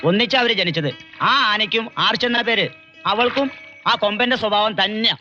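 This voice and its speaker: An actor playing an ominous village storyteller who drawls and chuckles. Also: male voice, high voice, normal speed, bright, forceful tone. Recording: dull film soundtrack with faint music.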